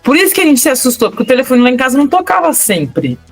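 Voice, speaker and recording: A young woman with a Brazilian Portuguese accent, co-hosting a podcast and telling a story in a casual, animated way with frequent laughter. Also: sits high, racing, faint music behind. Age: young adult. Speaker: podcast co-host.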